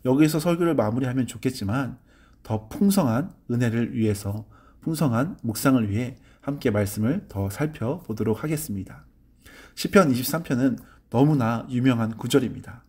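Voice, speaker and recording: Korean pastor guy, husky voice, earnest slow preaching, lots of rhetorical questions. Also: mid-range voice, darkish tone. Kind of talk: early-morning sermon.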